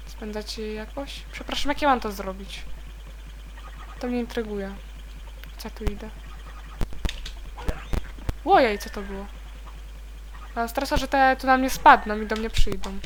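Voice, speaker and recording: A young woman casually commenting as she plays a video game, chatty and easily startled into high shrieks. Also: a little slow, pauses often, a bit bright, slight background noise. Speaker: let's play gamer.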